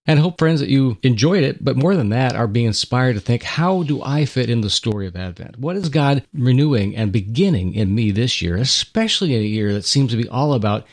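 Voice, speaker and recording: A man co-hosting a Christian radio broadcast, reading a dramatic story and talking in a measured, earnest way. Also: mid-range voice, lively intonation. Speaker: radio ministry co-host.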